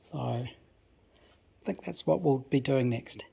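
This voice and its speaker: A slightly hoarse, somewhat breathless man explaining his car restoration work in a home workshop, in a relaxed way with many pauses and restarts. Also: mid-range voice. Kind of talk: casual workshop walkthrough.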